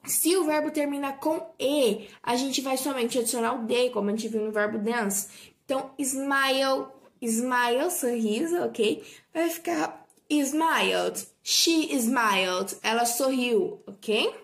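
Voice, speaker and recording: A woman's voice: sits high, unhurried. A Portuguese-speaking woman teaching English grammar in an online lesson, patient and repetitive, often correcting her own slips. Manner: patient, repeats points and asks for repetition; frequent slips and self-corrections.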